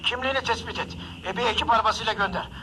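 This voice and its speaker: An actor playing a commanding police chief in a television drama, giving terse questions and orders over a police radio. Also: male voice, high voice, racing, sharp tone, a little hiss or hum, poor audio. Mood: commanding, inquiring.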